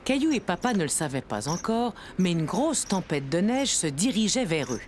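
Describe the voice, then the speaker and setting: Brief: female narrator for a kids' cartoon dub, lower voice, animated melody. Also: moderate pace. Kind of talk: storybook narration for young children.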